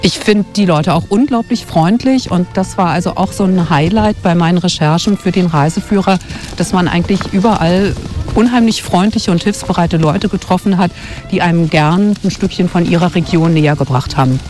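A woman's voice: on the low side, a little fast, darkish tone, faint music behind. A woman from West Berlin, a radio journalist and travel guide author, explaining fluently and thoughtfully in a radio interview on a forest walk. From West Berlin, Germany. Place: outdoors on a winter forest walk.

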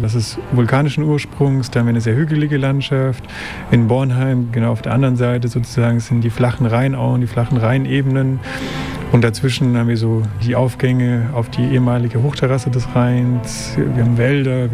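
Male tourism worker, gravelly voice, loose explanatory answers, music behind him. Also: mid-range voice. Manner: explanatory, with fillers and hedging. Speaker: tourism office employee. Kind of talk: interview answers.

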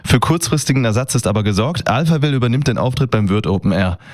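A man's voice: mid-range voice, expressive, quick pace. A man delivering a short regional news report on radio in a matter-of-fact way.

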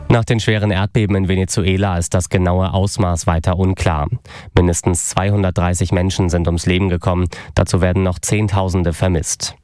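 A man reading the radio news in an even, measured way. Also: sits low, smooth, dry recording, studio quality. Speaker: newsreader.

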